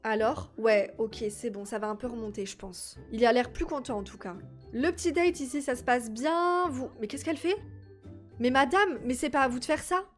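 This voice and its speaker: A young woman commentates her own gameplay in a high, lively voice. She is chatty and excitable and keeps addressing her audience directly. Soft background music plays under her talk. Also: moderate pace. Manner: chatty, excitable, talks straight to viewers. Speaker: gaming YouTuber. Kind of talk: casual let's-play commentary.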